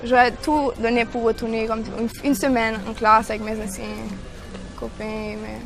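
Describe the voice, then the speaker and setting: Young woman telling her story haltingly. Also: fairly high pitch, little pitch movement, over music. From Haiti. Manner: halting, with restarts and slips into English. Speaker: interviewee. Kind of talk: casual personal account.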